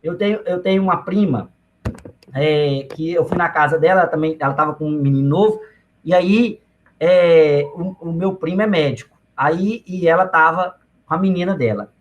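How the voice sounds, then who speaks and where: A man's voice: a little high, normal speed, muffled recording, a little hiss or hum. A man giving a casual economics lecture, talking to students conversationally with personal anecdotes and asides. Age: adult father of young children.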